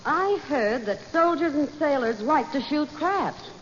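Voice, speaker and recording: A woman's voice: high voice, lively intonation, measured pace. A woman appearing as a guest star on a 1940s radio comedy show, teasing the host with sly put-downs. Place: live stage before a naval audience. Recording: muffled 1940s radio broadcast with heavy hiss.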